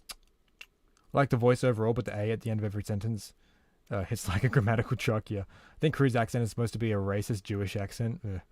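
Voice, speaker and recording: A man's voice: lowish voice, fairly even intonation, fast, darkish tone, dry recording. A man live-streaming a game, chatting casually and reading viewer comments aloud in a laid-back way. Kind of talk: casual live-stream chat while gaming.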